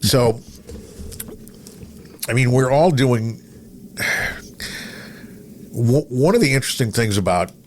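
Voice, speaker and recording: A middle-aged man chatting casually as a podcast host, telling anecdotes in a rambling, animated way. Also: medium pitch, slow, pauses often. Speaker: podcast host, veteran radio broadcaster. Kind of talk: casual interview chat with anecdotes. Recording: clear background noise.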